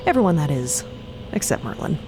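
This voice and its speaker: A woman's voice: low voice, big pitch swings, fairly quick, background noise. A woman giving dramatic scripted narration for a fiction podcast. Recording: voice over prominent music. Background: music.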